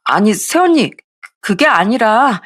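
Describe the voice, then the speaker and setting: A woman voicing a lazy, spoiled young sister-in-law in a told story, speaking in a high, whiny, petulant voice. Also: big pitch swings, takes it slowly, fairly bright tone, breathy edge, full character voice.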